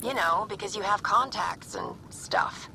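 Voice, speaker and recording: A woman's voice: mid-range voice, unhurried, vocal fry, sharp tone, a little hiss or hum. A young woman playing a nervous, eager alien kid sister in a video game, hesitant and earnest through a radio filter. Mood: sheepish, eager. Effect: radio comm filter. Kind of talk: video game cutscene acting.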